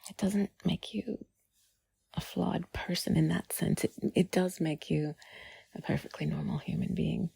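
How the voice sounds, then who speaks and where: Breathy, husky whispering woman. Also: on the low side, fairly even intonation. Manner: soothing, gently reassuring, drawn-out pauses. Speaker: audio creator speaking to the listener. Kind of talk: intimate whispered ASMR comfort talk.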